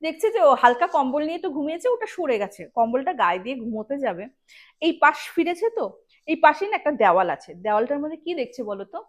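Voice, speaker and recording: A woman's voice: high-pitched, big pitch swings, quick pace. A woman of tells a ghost story casually, explaining in asides and speaking straight to her listeners. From Assam, India. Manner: conversational, explains asides and addresses listeners directly.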